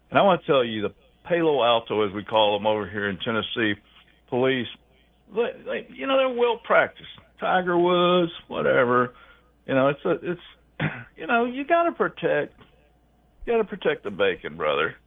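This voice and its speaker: A man's voice: medium pitch, huge pitch swings, moderate pace, creaky. Rambling folksy male caller on a tinny phone line. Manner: rambling, folksy, calls the host "brother" and "my friend". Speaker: radio show caller.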